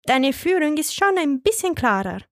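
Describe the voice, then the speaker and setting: A woman's voice: high voice, sing-song, normal speed, no echo, studio quality, pitched above the performer's own voice. A woman voicing a graceful young dance partner who speaks lightly and a bit patronizingly. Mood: teasing.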